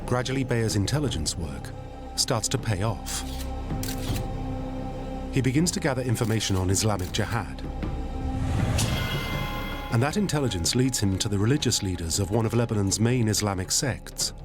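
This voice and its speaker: Low-voiced male documentary narrator. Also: animated, normal speed, pauses often, loud music behind the voice. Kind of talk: scripted narration.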